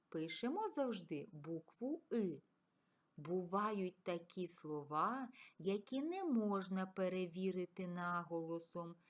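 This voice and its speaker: A woman teacher giving a recorded video lesson to schoolchildren, dictating example words slowly and deliberately. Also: mid-range voice. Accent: Ukrainian.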